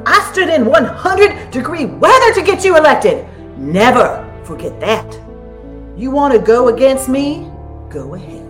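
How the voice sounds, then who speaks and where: Confrontational female political advisor, acted by a woman, very lively intonation, indignant, theatrical dramatic reading, faint music underneath. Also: sits high, normal speed. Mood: cold, threatening. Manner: theatrical, pointed.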